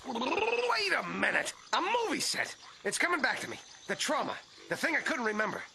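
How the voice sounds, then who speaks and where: A crass, cowardly cartoon duck blusters manically, the pitch leaping all over the place. There is clear noise behind the voice. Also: male voice, wildly swooping pitch, normal speed, sharp tone, heavily acted. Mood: shaken. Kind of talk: animated comedy acting.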